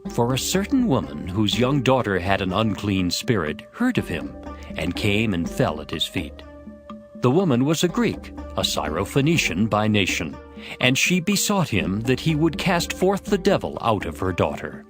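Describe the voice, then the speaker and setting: A man narrates scripture in a formal, measured way. His fairly low voice rises and falls in a lively range over clear background music. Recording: music under the voice.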